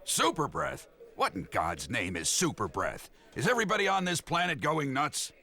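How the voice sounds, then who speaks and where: A man voicing a gruff, exasperated American newspaper chief in a motion comic, blustering and incredulous. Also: mid-range voice, huge pitch swings, moderate pace, pushed and bright, full character voice. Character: gruff, exasperated male newspaper chief, middle-aged or older.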